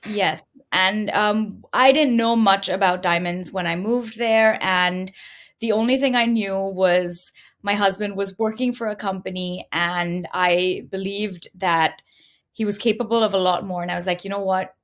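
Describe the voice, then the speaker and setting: Woman, middle-aged, from India, interview guest, conversational storytelling, average pitch. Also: steady tone, measured pace. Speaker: podcast guest, entrepreneur. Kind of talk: conversational interview answers, telling own story.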